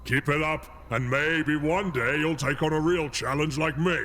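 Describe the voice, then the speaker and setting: A man's voice: a little high, fairly even intonation, normal speed, pushed and bright. A man playing a boisterous, boastful veteran warrior in a video game, talking with hearty, mocking swagger. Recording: music behind the voice.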